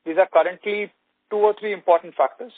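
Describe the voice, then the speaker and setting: A man giving halting, measured corporate answers as an executive on an earnings call. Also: high voice, steady tone, no echo. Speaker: company executive answering analysts. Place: conference call. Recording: narrow, dry telephone conference line.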